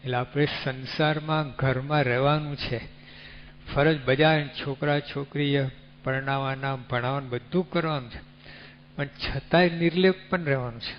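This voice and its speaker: Male preacher, measured sermon delivery, faint hum in the background. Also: medium pitch, fairly even intonation. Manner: unhurried, teaching with rhetorical questions and animal examples. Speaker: religious speaker. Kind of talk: devotional sermon. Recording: dull lo-fi recording with faint hum.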